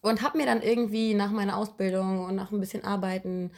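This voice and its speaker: A woman's voice: mid-range voice, level tone, a little fast, vocal fry, a little mellow. A woman in her twenties from Germany, co-hosting a casual podcast chat in an apartment, rambling along with many fillers and easy giggles. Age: 20s. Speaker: podcast co-host. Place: living room of an apartment.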